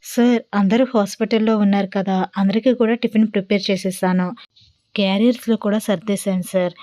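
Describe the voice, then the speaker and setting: A woman's voice: mid-range voice, fairly even intonation, a little fast, dry recording, studio quality, close to an everyday voice. Woman voicing a teasing, caring young woman. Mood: earnest. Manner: gentle, persuasive, playfully teasing. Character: cheerful, caring young woman who teases.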